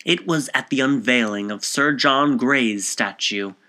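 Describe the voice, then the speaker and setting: A man's voice: mid-range voice, unhurried, bright, forceful tone. Man as an earnest, blustering middle-aged gent. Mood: blustering reminiscence. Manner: exclamatory, colloquial.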